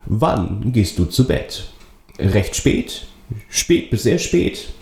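Dark-voiced, echoey German podcast host. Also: male voice, lowish voice, big pitch swings, drawn-out words, vocal fry. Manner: hesitant, many fillers and restarts, reads quiz questions aloud. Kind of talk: casual podcast chat. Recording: roomy, echoey sound.

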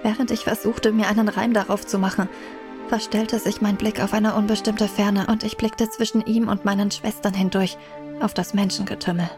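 A woman playing a reflective first-person narrator in a German radio play, telling a medieval tale in measured literary style. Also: mid-range voice, flat delivery, lightly acted. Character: reflective female narrator recalling her medieval childhood. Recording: music behind the voice.

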